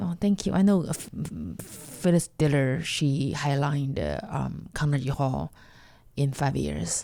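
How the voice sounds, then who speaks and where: A woman speaks with a Chinese accent in a very deep, low voice, her tone dark and mellow and her intonation lively. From China. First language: Mandarin Chinese. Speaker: stand-up comedian. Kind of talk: casual interview chat. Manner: fast.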